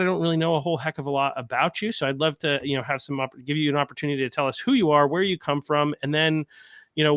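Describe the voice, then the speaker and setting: A man's voice: on the high side, a bit bright, dry recording. A man hosting a casual podcast interview, talking in a rambling way with many fillers and restarts. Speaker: podcast host.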